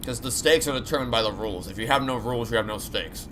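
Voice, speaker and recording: A man's voice: medium pitch, quick pace, background noise. A man streaming a game, chatting with viewers and explaining his opinions in an analytical way while he plays. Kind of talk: live playthrough commentary and chat. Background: video game music and sounds.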